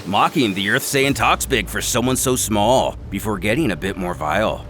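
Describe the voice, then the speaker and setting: A man's voice: fairly low pitch, moderate pace, a bit bright. A man delivering scripted, dramatic narration of a story. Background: music.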